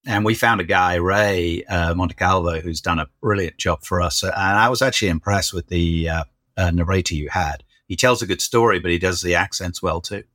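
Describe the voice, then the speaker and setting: A man's voice: low-pitched, fairly quick, sharp tone, no room sound, studio quality. A man from England with a muddy mid-Atlantic English accent, co-hosting a podcast and talking with lots of hesitations. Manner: hesitant, many ums and uhs. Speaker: podcast co-host. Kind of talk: casual podcast chat.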